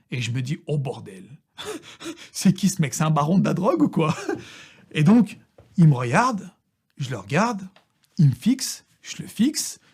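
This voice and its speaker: Speaking on the high side with a breathy edge, this young Frenchman vlogs a vulgar, slang-heavy comic tale about a trip. He swears freely, stays animated throughout, and keeps laughing through his asides.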